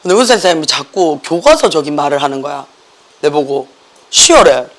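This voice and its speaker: A middle-aged academy teacher with a Gyeongsang accent lectures a class in a worn, hoarse voice. The delivery is lively and joking, and English words keep slipping into the Korean. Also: medium pitch, brisk.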